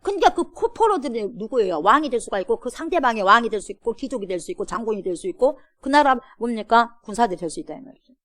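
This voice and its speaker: A woman pastor with a Jeolla accent, preaching a sermon to her church and firing questions at the congregation. She swings between loud exclamations and soft asides. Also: fairly high pitch, very animated, fast, no room sound, studio quality. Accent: Korean, Jeolla. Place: church sanctuary.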